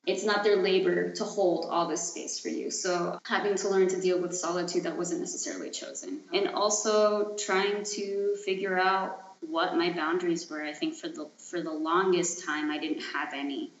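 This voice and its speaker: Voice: mid-range voice, fairly even intonation, moderate pace, few pauses, slight background noise. A speaker in their late twenties from Chile, giving reflective, searching answers as an interview guest, often hesitant and trailing off. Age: late 20s. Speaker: podcast guest, artist and activist. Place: echoey room. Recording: dull, roomy lo-fi sound.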